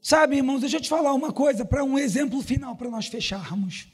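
High-voiced pastor preaching loudly. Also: male voice, brisk, breathy edge. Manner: preaching with shouted rises and quoted dialogue. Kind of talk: sermon.

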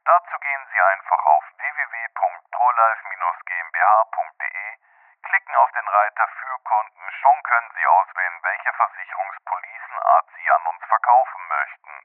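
A man's voice: low voice, expressive, normal speed, no echo. A man voicing an airline captain in a scripted ad, speaking formally as if over a cockpit intercom to the cabin. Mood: announcing. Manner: formal, welcoming announcer delivery. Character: male airline captain making a cabin announcement. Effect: pilot announcement over a cabin intercom, thin and phone-like. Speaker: advertisement voice. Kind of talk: scripted radio ad. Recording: tinny intercom-like ad audio, distant.

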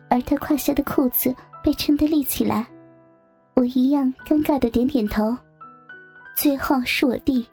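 A woman narrating a first-person story softly, with music behind. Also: high-pitched, husky.

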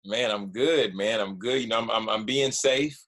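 A man hosting a casual podcast interview over a video call, energetic, often repeating and restarting words. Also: fairly low pitch, moderate pace. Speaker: podcast host.

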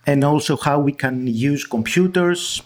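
A man's voice: fairly high pitch, unhurried, a little mellow. A man from Greece with a Greek accent, a guest researcher in an interview, explaining with frequent restarts and fillers. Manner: hesitant, many restarts and fillers.

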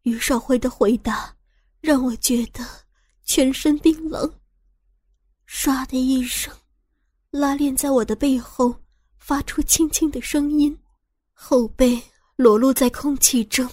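慢条斯理、声音偏高的女主播. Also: female voice, sits high, fairly even intonation, slow pace, pauses often, a little mellow, no room sound, studio quality. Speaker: audiobook narrator. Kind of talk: first-person audio story narration.

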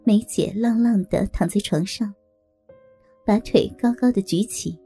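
A woman narrating a first-person audio story in a slow, soft-spoken way. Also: medium pitch, husky, faint music behind.

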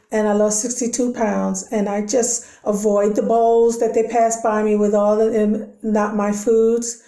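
A woman's voice: mid-range voice, dark tone. A woman from Virginia giving a plainspoken, matter-of-fact testimony. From Virginia, USA. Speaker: program member sharing testimony. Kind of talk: casual home video testimony. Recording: echoey room.

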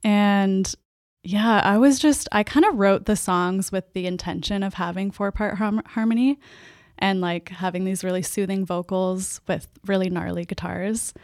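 A soft-spoken Canadian woman, a band's singer and guitarist, answering interview questions with a hesitant, laughing way of talking. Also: mid-range voice, fairly even intonation, moderate pace, no echo, clean studio sound. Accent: Canadian English. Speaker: band's lead vocalist and guitarist.

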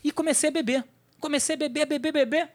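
A man's voice: very high voice, fairly even intonation, quick pace. A man sharing a personal testimony on a church talk show, telling the story with energy and acting out the voices of people in it.

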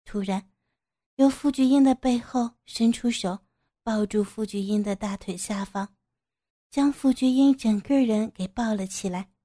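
A woman narrating an audio story in a steady, even storytelling manner. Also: a little high, measured pace.

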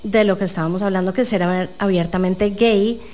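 A young woman hosts a casual interview podcast in a mid-range voice. She talks quickly and chattily, stringing her thoughts together with filler phrases as she keeps the conversation moving. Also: mid-range voice, steady tone, mellow. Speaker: podcast host.

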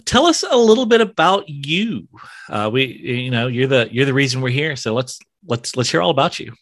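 Podcast host, man with a light Southern accent, bright tone, stumbling but eager. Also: medium pitch, animated. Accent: mild Southern US. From South Central Alabama, USA. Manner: halting, many restarts, friendly enthusiasm. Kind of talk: casual interview chat.

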